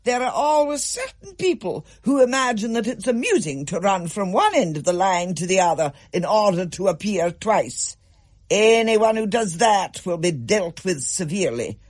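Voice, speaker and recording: A man's voice: high voice, sing-song, normal speed, voice pushed up. A man voicing a severe, commanding schoolmistress who lays down strict rules to her class. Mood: stern. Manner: strict, commanding, clipped warnings. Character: stern, severe middle-aged schoolmistress. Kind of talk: storybook reading, radio thriller.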